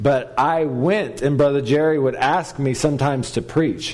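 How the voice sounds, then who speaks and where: Noticeable background noise sits under a man speaking at a moderate pace in a fairly high pitch. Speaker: traveling preacher and missionary. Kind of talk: sermon. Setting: church service with congregation. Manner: loud.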